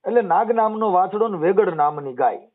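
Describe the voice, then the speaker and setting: A man explaining devotional verses and old history on a phone call, sometimes chanting couplets slowly. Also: sits high, lively intonation. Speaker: social media personality taking calls. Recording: tinny phone call recording.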